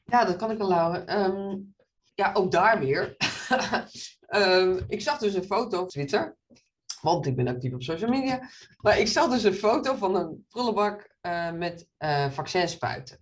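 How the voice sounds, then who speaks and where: Animated woman surgeon telling a story. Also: mid-range voice, measured pace. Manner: lively, animated storytelling with many restarts. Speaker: surgeon and professor. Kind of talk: interview in front of an audience.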